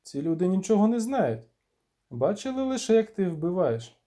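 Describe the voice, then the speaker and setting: Old scornful wizard , man reading, dark mellow tone, voice jumps high and low. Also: sing-song, normal speed. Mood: agitated.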